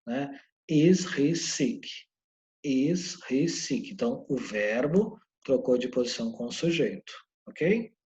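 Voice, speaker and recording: A man's voice: medium pitch, expressive, takes it slowly, a little mellow. Patient male teacher on a dull recording. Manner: patient, checks in often with the viewer. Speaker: English teacher. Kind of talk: online lesson explaining grammar.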